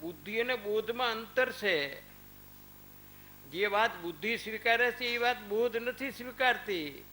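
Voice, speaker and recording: A man's voice: high-pitched, measured pace, sharp tone, a little hiss or hum. A man giving a conversational spiritual discourse to a small gathering. He calls on listeners by name and mixes in anecdotes and recited verses. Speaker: religious discourse speaker.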